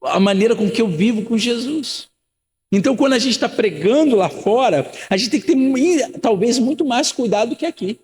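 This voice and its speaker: A man's voice: very high-pitched, expressive, normal speed, darkish tone, big-room sound. A man in his thirties, from Rio de Janeiro, preaching an earnest, conversational sermon full of rhetorical questions and repeated phrases. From Rio de Janeiro, Brazil. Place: church sanctuary.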